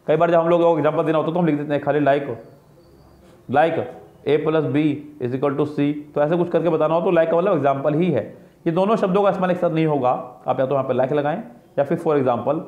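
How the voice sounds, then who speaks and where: A man's voice: a little high, fairly quick, a little mellow. A man teaching an exam-prep grammar lesson, explaining each answer step by step and repeating his own questions and answers. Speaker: English teacher. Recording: roomy, dull lo-fi sound.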